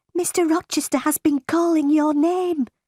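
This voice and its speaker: A woman's squeaky, put-on character voice at an extremely high pitch, monotone and flat, at a moderate pace. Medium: read story. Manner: warm, kindly.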